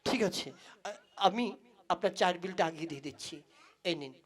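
In a comic puppet play, a woman voices a polite, hesitant male stranger in a village who is asking for directions and grows more and more impatient. Her natural voice sits lowish and moves fairly quickly, sounding hesitant yet insistent.

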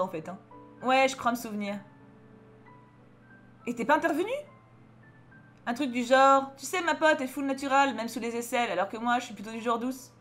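Young woman, French accent, bright voice, rather high, expressive game commentary, faint music behind. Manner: chatty, expressive, joking, swings between loud outbursts and mutters. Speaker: streamer playing a story game. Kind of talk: casual gameplay commentary, reading game dialogue aloud.

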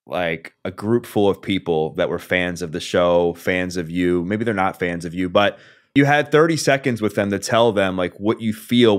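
Low smooth guy hosting a podcast, laid back, says like a lot. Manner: relaxed, many "like" fillers. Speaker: podcast host. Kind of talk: casual interview. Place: small room, video call. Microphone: studio mic on boom arm with headphones.

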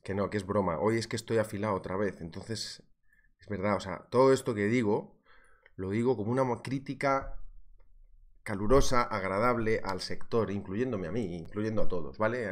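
A man teaching a live trading webinar, joking and chatting as he reads viewer messages. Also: on the low side. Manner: jokey, chatty, reads viewer chat aloud. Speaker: trading instructor.

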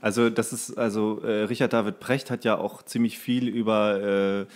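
A man's voice: fairly low pitch, level tone, moderate pace. A young man co-hosting a casual podcast chat in colloquial, slangy speech. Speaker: podcast co-host.

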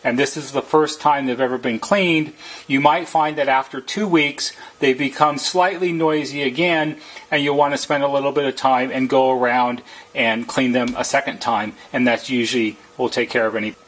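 A man with a slightly husky voice narrates a how-to as a service technician, explaining plainly and methodically, step by step. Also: medium pitch, fairly even intonation, moderate pace, fairly bright tone, rough recording. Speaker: service technician giving a tutorial.

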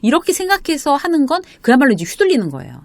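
A woman's voice: sits high, huge pitch swings, fast talker, darkish tone, no echo. A middle-aged woman lecturer giving casual workplace advice, chatty with many fillers, acting out quoted lines of dialogue.

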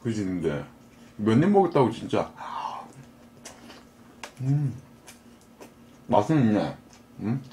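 A man talks with his mouth full during a casual eating stream, his words mumbled between murmurs. His pitch swings in a lively way, and he rattles along at a very quick pace. A faint hiss of background noise sits under the recording. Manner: mumbled, murmuring with food sounds. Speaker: mukbang streamer. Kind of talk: casual eating broadcast chat.

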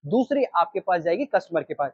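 A man in his thirties with an Indian accent, teaching restaurant staff how to take orders in an animated way. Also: sits high, a little fast, slightly rough, dry recording, lo-fi sound. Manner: animated, gestures while reading from a sheet. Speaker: restaurant trainer. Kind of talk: training talk. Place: storefront of a small takeaway, outdoors. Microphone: lapel mic.

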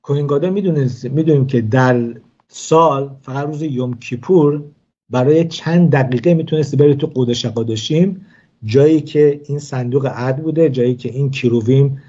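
Male religious teacher, measured and hesitant delivery, husky tone, dull lo-fi sound. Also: mid-range voice, dark tone. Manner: measured explaining, frequent hesitations. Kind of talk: weekly Torah lesson.

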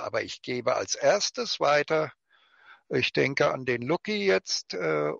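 A man moderating an informal online discussion in a hesitant, deliberate way, his voice very gravelly. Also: medium pitch, a bit bright, dry recording. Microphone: video call. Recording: dull, lo-fi video-call audio.

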